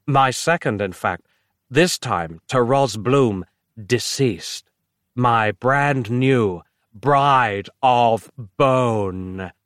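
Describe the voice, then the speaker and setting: A man voicing a gloating villainous mastermind, with a theatrical, drawn-out menacing delivery. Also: mid-range voice, a bit bright, no echo, clean studio sound. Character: gloating villainous male bone-obsessed mastermind.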